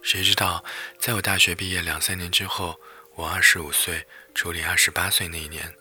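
Man, storyteller, first-person romance reading, very deep voice, husky, soft music behind. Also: flat delivery, a little fast. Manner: emotive, dramatic reading.

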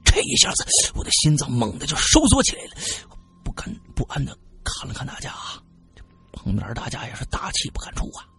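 A man telling a spooky story in an animated, dramatic way. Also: mid-range voice, a little fast, gravelly. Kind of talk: casual spoken ghost story.

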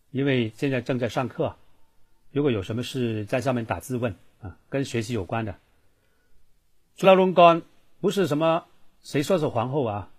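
Fields: Sex: man. Pitch: middle. Role: teacher. Style: online voice lesson. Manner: chatty, questioning. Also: breathy edge. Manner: chatty, repeats himself, asks the class questions. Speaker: Thai language teacher. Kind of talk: live online language lesson.

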